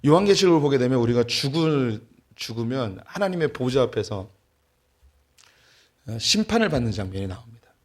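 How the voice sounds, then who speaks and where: A middle-aged man preaching a sermon as a pastor, telling a family story with light humor and plainspoken warmth before turning to the gospel message. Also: mid-range voice, big pitch swings, brisk. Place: church sanctuary.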